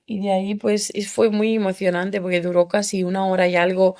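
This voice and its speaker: A young woman from Spain, a podcast guest, telling her story in an animated way and acting out the people she quotes. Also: mid-range voice, a little fast. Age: young adult. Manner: animated, acts out quoted voices. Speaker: interview guest.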